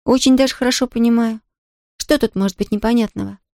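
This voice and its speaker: A woman's voice: on the high side, fairly even intonation, fast talker, gravelly, no room sound, clean studio sound, pitched above the performer's own voice. A woman voicing an eager young orphan girl. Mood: earnest, puzzled. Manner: bright, earnest and emphatic. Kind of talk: audiobook character reading.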